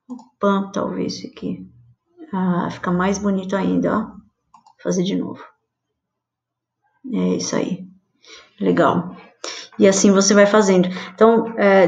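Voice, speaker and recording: A woman's voice: medium pitch, creaky, a little mellow. A middle-aged woman chatting casually through a screen-share design tutorial, full of fillers and friendly pet phrases. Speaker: design instructor. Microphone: webcam video call. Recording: slightly dull lo-fi webcam audio.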